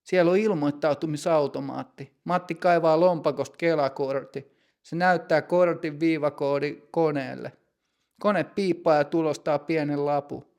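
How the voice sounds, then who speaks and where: A man narrating a simple story for language learners, reading slowly, clearly and deliberately. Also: a little high, steady tone, darkish tone.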